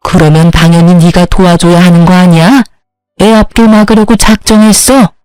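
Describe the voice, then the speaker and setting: A woman's voice: on the low side, steady tone, moderate pace, a little mellow, clean tone, dry recording, faint music behind, natural voice, rough recording. A woman voicing a pushy, domineering older mother-in-law who gives scolding commands, in a storybook reading. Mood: angry.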